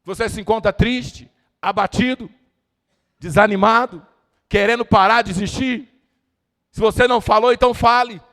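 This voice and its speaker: A man with a Brazilian accent preaching a fervent Pentecostal sermon, swelling to shouts and calling on the congregation. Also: very high voice, clean tone. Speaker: evangelist preacher. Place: church service hall. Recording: echoey church hall.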